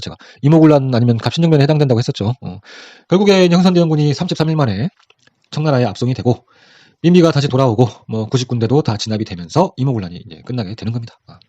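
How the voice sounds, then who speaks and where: A man's voice: medium pitch, warm tone, dry recording, highs cut off. A man giving a casual history lesson for an exam. He talks in a chatty way and acts out the quotes in different voices. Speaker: history lecturer.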